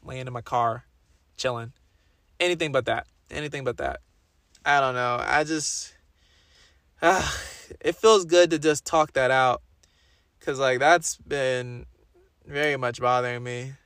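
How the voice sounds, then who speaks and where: A young man with a slightly raspy voice, chatting casually and rambling through a solo podcast in slangy talk, repeating phrases for emphasis. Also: mid-range voice, measured pace, long pauses, a bit bright, no room sound, clean studio sound. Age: young adult. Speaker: podcast host.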